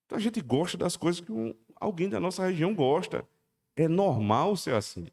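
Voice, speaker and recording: A man with a Paraíba Brazilian accent preaching a sermon as pastor, emphatic and exhorting. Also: fairly quick. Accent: Paraíba Brazilian Portuguese. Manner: emphatic, exhorting, lively pitch swings. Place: church hall. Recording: long church-hall reverb.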